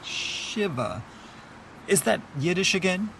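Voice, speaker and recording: A man acting in an audio drama as a devout, reassuring Irish Catholic mourner, explaining things gently in a conversational way. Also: high-pitched, expressive, slow pace, gravelly, a little hiss or hum, heavily acted. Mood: curious, blunt.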